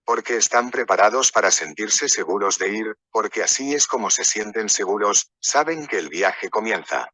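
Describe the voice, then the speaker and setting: A man teaching a workshop in a loose, storytelling manner, wandering from one anecdote to the next. His voice sits low but has a bright, forceful edge. The sound is dry, with no room reverb. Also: animated, moderate pace, few pauses. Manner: rambling, anecdotal, conversational. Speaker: workshop speaker. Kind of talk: storytelling lecture.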